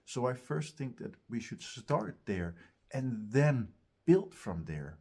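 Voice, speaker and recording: A man with a husky voice teaching as a vocal coach, speaking in hesitant, searching phrases with emphatic repeats. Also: medium pitch, very animated, slow, dark tone. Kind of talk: instructional talk to camera.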